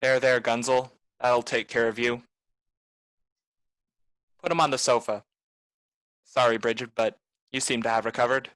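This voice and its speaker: A man's voice: mid-range voice, steady tone, unhurried, long pauses, fairly bright tone, dry recording, natural voice, poor audio. A man playing a cool, shrewd private detective in a film noir radio play, with a clipped, tough delivery. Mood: wry, firm. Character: hard-boiled male private detective, cool, shrewd, commanding.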